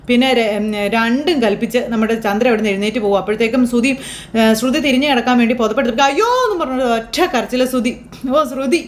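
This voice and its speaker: A woman retelling a TV serial episode in casual speech, acting out each character's lines with a shifting, often raised pitch. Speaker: serial story narrator.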